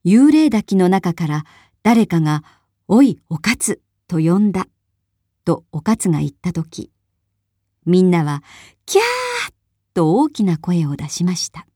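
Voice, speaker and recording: Slow, mellow woman reading a story. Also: on the low side, lively intonation, no room sound, clean studio sound. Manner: clear, explanatory, measured.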